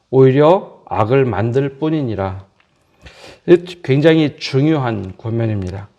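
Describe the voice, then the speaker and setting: Man, pastor, dawn prayer sermon, calm, earnest, rhetorical questions. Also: mid-range voice. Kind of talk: early morning prayer sermon.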